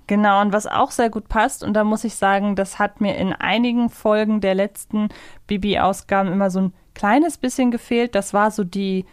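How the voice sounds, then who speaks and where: A woman with a medium-pitched voice co-hosts a review podcast. She talks in a conversational way, and the recording is dry, with very little room sound. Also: fairly even intonation, normal speed, smooth, dry recording. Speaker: podcast co-host. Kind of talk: conversational audio drama review.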